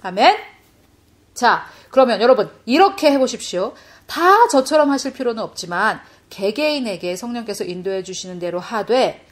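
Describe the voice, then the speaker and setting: A woman preaching a sermon-style spiritual teaching, fervent and building to loud exclamations. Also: medium pitch. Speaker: Christian preacher.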